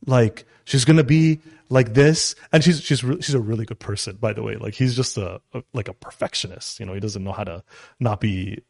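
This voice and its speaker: A man's voice: fairly low pitch, vocal fry, darkish tone, slightly rough, no echo, studio quality. A man, a Christian counselor, giving an informal teaching talk to a live group, often restarting sentences and checking in with the room. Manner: halting, with many restarts and "right?" check-ins.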